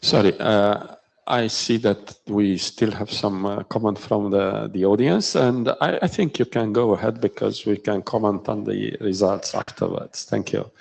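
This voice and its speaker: Man, session moderator, very slow, gravelly, hesitant with frequent pauses. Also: fairly low pitch, darkish tone, rough recording. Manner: hesitant, lots of pauses and fillers. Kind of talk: moderating a conference panel. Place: conference hall.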